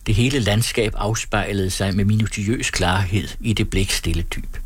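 A man reading aloud from an old novel in a measured, unhurried way, with a husky voice. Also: on the low side, no room sound.

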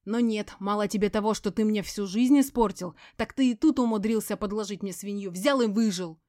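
A woman reading an audiobook voices a furious, spiteful ex-wife who hisses and yells, her voice breaking into shrieks. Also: medium pitch, brisk, no echo, clean studio sound, natural voice. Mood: gloating, spiteful. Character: furious embittered ex-wife, spiteful poisoner, screaming.

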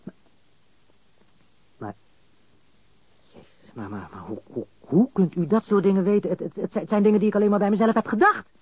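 An actor playing a baffled, cocky and coarse murder suspect in a radio crime drama, stammering and repeating words. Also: male voice, sits high, expressive, normal speed, long pauses, husky, no room sound. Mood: stunned, agitated. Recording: dull, lo-fi radio recording.

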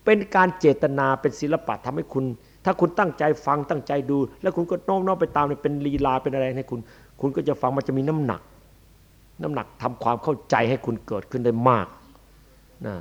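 A man's voice: mid-range voice, fairly quick. A man, a Buddhist monk, giving a dharma sermon in a blunt, emphatic, demonstrative way. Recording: dull lo-fi archive recording.

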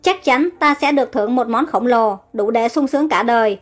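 A woman's voice: on the high side, a little fast, soft background music, natural voice. A woman reading a greedy scheming servant. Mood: gloating. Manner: gloating, then frantic.

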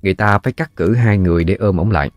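Deep-voiced Southern Vietnamese male storyteller. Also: no echo, dull audio. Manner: folksy, unhurried storytelling. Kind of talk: scripted ghost story narration.

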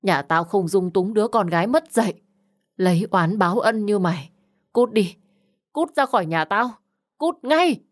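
A woman voicing a harsh, quick-tempered middle-aged mother who shouts insults in an audio story. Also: medium pitch, close to an everyday voice. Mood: furious.

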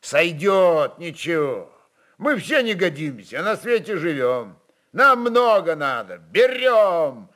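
A commanding Cossack chieftain in a dramatized novel, voiced by a man. He talks in a blunt, hearty, folksy way, decisive in every phrase, with a somewhat high voice and very lively intonation. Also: slow, full character voice. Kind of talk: dramatized literary reading.

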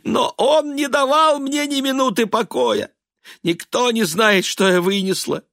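A man's voice: medium pitch, expressive, normal speed, no echo, studio quality, voice pushed up, lightly acted. A man voicing an aging, stubborn, self-pitying mother, in a raised, fussy, plaintive tone. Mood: tearful. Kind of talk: audiobook character voice.

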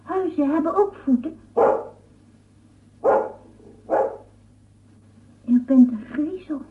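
Casting: playful young girl, high voice, teasing, radio play, tinny noisy old recording. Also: expressive, normal speed. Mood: taunting. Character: playful, taunting little girl. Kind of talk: radio drama.

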